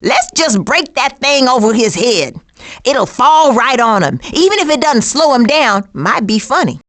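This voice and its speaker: Brash female skunk, game animation: American accent, high register, lively swings, blunt and sassy. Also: measured pace, exaggerated voice. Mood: sassy, wry. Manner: sassy, blunt, folksy slang. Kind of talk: animated video game voice acting.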